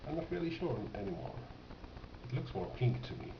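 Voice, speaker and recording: A record collector shows off his finds in a mid-range, sing-song voice, talking fairly quickly. It's a casual, unscripted show-and-tell, and he hesitates and rambles while thinking aloud. The home recording sounds roomy, distant, muffled and noisy.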